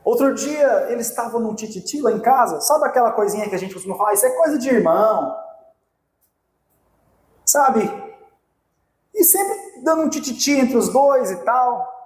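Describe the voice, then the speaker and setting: A man's voice: very high voice, lively intonation, moderate pace, pauses often. A man in his thirties with a Brazilian Portuguese accent, preaching a sermon as pastor and appealing directly to the congregation. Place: church sanctuary. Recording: echoey church hall.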